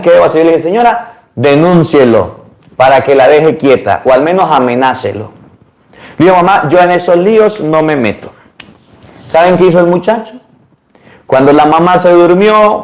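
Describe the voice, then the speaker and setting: A man, a priest giving a sermon, telling a story in lively detail and acting out the people in it. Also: on the high side. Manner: animated storytelling, quoting people in changed voices.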